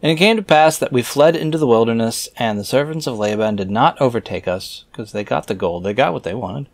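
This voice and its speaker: A man reads scripture aloud, breaking off for offhand, wry, skeptical comments and sometimes muttering as he thinks aloud, acting as reader and commentator. His voice is medium-pitched, and the recording is dry.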